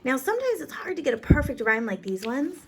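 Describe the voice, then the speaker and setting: A woman's voice: sits high, big pitch swings, quick pace. A woman kindergarten teacher explaining a lesson casually, step by step, in an informal, encouraging way.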